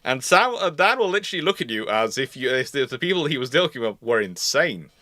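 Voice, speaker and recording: A man's voice: mid-range voice, big pitch swings, bright, forceful tone, no room sound. A man hosting a live history question-and-answer discussion, speaking off the cuff and often rephrasing himself mid-sentence. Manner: halting, self-correcting, rephrasing mid-sentence. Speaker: host of a naval history live Q&A.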